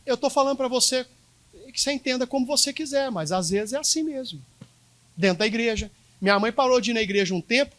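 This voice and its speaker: In a very high voice with a fairly bright tone, a male pastor with a Minas Gerais Brazilian Portuguese accent preaches emphatically, addressing the congregation directly and repeating himself.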